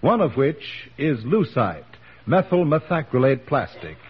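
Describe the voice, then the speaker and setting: A man's voice: medium pitch, sing-song, a little slow, slightly rough. Man reading a formal radio sponsor announcement. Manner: formal, polished. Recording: dull old radio broadcast with music.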